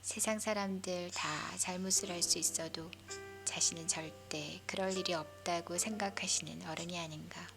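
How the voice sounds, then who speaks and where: A woman softly whispering a bedtime story as narrator, breathy, as if leaning in close. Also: fairly low pitch, fairly even intonation, normal speed, over music.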